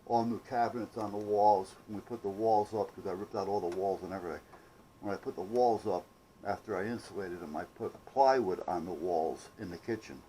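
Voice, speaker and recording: Low, mellow-voiced man telling stories casually. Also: fairly quick, a little hiss or hum, poor audio. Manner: folksy, salty-tongued, conversational. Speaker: DIY vlogger. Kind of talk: casual rambling storytelling.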